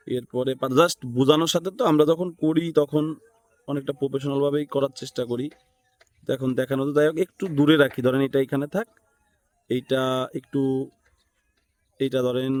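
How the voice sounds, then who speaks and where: Male tutorial instructor, Bangladeshi accent, average pitch, informal step-by-step delivery that checks in with the listener. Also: darkish tone, dry recording. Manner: thinks aloud, checks in with listeners.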